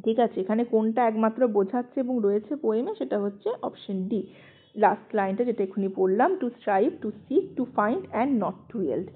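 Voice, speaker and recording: A Bengali-accented woman gives an online English lesson, her voice sitting a little high. She explains step by step and keeps checking that students follow. The sound is thin and narrow, as if heard over a phone line. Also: slightly rough. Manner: explanatory, checks in with "ঠিক আছে" and "okay", reads English slowly. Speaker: English teacher.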